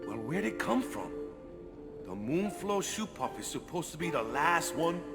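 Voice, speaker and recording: A man's voice: fairly high pitch, very animated, unhurried, gravelly, heavily acted. An actor playing a defensive, protective village man in a radio drama, brusque and informal. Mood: skeptical. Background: music.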